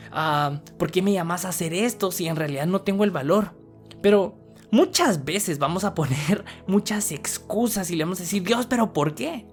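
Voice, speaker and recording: Low-pitched Guatemalan woman preaching. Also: darkish tone. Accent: Guatemalan Spanish. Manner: earnest, direct address with rhetorical questions. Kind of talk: motivational sermon.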